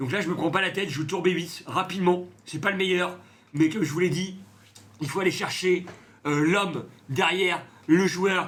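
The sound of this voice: A man puts on a hoarse character voice pitched high, speaking at a moderate pace with long, frequent pauses.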